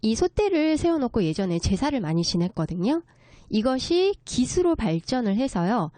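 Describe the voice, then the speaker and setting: A woman's voice: fairly high pitch, very animated, moderate pace, mellow, no room sound. A woman speaking as a guest expert, explaining local folk culture politely and step by step. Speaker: guest expert, children's story writer.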